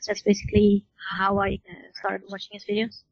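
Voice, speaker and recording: Female podcast guest, casual, flat intonation, dry muffled recording. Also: mid-range voice, a little fast, vocal fry, no echo. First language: Dutch. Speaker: podcast guest, forum admin. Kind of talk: casual interview chat.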